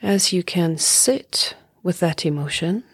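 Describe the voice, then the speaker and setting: Slow, breathy woman guiding a meditation. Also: lowish voice, no room sound. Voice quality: soft, breathy, often near whisper. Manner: calm, soothing, unhurried with long pauses. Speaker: meditation teacher. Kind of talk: guided meditation.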